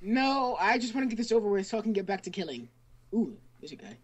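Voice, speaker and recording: A woman's voice: medium pitch, big pitch swings, quick pace, crowd noise. A woman chatting casually as a guest who reacts to a friend's reading. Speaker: guest co-reader reacting to a story. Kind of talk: casual chat.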